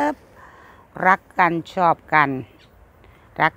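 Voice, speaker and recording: A woman's fairly low voice has a bright, sharp tone, recorded with a dry sound and no echo. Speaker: tarot reader. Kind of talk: tarot reading monologue. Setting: outdoors. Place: garden.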